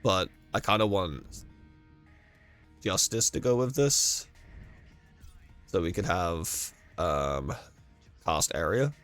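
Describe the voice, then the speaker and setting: Soft music plays beneath a deep, fairly bright voice with lively intonation, a slow pace, and long pauses. It belongs to a gaming guide creator who has a cold, sounds congested and is losing his voice, and rambles through a casual walkthrough of a build and run with frequent self-corrections.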